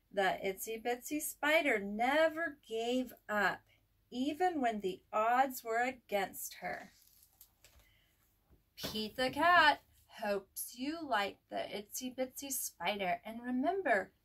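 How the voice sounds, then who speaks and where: A woman reading a picture book aloud in an expressive, simple way for young children, as a preschool teacher would. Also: a little high, slow pace. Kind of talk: children's storybook read-aloud. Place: at home. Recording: home recording with faint background noise.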